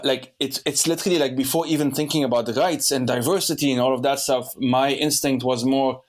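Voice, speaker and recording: Young male podcast host from Lebanon, casual and meandering, mid pitch. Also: steady tone, fairly quick. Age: young adult. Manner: rambling, many restarts and fillers. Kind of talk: casual conversation.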